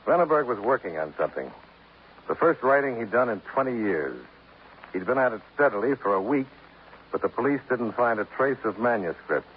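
A man's voice: mid-range voice, expressive, a little fast, natural voice. An actor playing a dry, blunt male insurance investigator in a 1950s radio drama, asking terse, clipped questions. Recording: tinny, hissy old radio broadcast.

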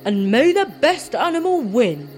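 A woman voicing a sly male jackal in a storybook tale, brisk and sly. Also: high voice, big pitch swings, soft background music, voice pushed up. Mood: scheming.

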